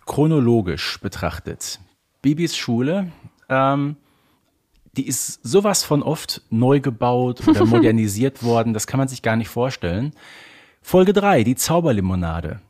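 A slightly husky man with a German accent co-hosting a casual fan discussion, with a mock-incredulous, questioning manner. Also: mid-range voice, sing-song, unhurried, a little mellow. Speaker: podcast co-host.

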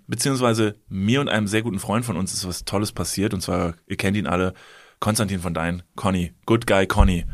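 Low-voiced man telling a story. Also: no echo, studio quality. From Cologne, Germany. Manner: animated anecdote telling with many fillers. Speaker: podcast host. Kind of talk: casual storytelling chat.

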